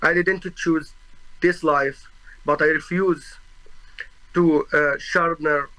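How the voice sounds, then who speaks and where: Young man, arabic accent, non-native english, slightly high voice, very slow halting delivery, solemn formal testimony. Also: steady tone, pushed and bright, low-quality recording. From Gaza, Palestine. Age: 20s. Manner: halting, searching for words, with frequent restarts and fillers; solemn and earnest. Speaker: witness testifying at a tribunal.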